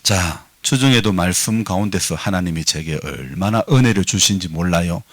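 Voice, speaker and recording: Lively Gyeongsang pastor with a low voice. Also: male voice, moderate pace, dry recording. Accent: Gyeongsang Korean. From Gyeongsang province, Korea. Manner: lively preaching, calls for amens, explains dialect to the congregation. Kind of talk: sermon. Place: church sanctuary.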